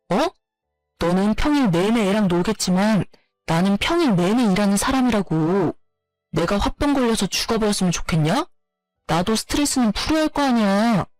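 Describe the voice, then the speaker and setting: A man's voice: high-pitched, dry recording. A man voicing an irritable young husband obsessed with gaming, whiny and defensive as he snaps back. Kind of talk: narrated story dialogue.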